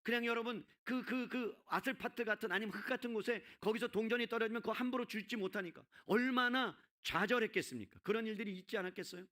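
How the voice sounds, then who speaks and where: A man's voice: sits high, quick pace, hardly any pauses, sharp tone. A male pastor delivering a Sunday sermon, often calling out to the congregation and voicing a character's inner thoughts. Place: church sanctuary.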